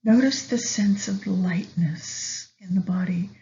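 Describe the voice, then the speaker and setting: Slow-paced woman guiding a meditation. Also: medium pitch, a little hiss or hum. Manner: soft, soothing delivery with long pauses. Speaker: meditation guide. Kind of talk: guided meditation. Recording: slightly dull lo-fi recording.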